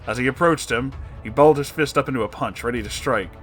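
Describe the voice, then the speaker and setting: A man's voice: medium pitch, fast, fairly bright tone, faint music behind. A man narrating a comedic story in a dramatic, amused reading style. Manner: amused, breaking into laughing asides.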